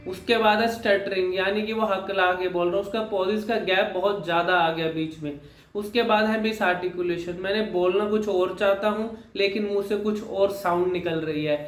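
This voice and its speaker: High-voiced speech coach. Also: male voice, echoey room. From Haryana, India. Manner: mixes English terms into Hindi, repeats phrases for emphasis. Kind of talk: explanatory lesson talk.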